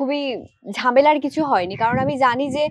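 Heard dry with no echo, a woman speaks in a high pitch. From Chakdaha, Nadia district, West Bengal; West Bengal. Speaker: television actress. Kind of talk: casual interview. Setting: outdoors on a terrace. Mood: calm, reflective. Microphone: lapel.

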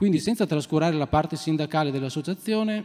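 Against a quiet background, a man's voice has a dark, mellow tone and a fairly high pitch. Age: 40s. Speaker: real estate agent, association official; candidate. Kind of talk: conference speech. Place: stage. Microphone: podium.

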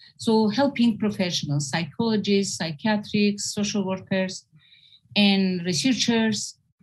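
Against a quiet background, a woman with an Armenian accent talks at a fairly slow pace in a somewhat breathy voice with ordinary pitch variation. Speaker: social workers association president. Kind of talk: panel discussion. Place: home room. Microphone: video call.

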